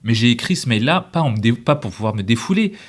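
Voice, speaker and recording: A man's voice: mid-range voice, lively intonation, fast talker. A man speaking conversationally as an interview guest, telling anecdotes and giving advice, often voicing the quotes.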